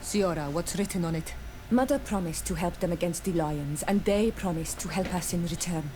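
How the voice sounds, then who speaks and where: A woman's voice: lowish voice, moderate pace, noisy background, close to an everyday voice. An actress playing a proud, earnest young tribal woman in a fantasy game, with a firm way of speaking. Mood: indignant. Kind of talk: scripted game dialogue acting.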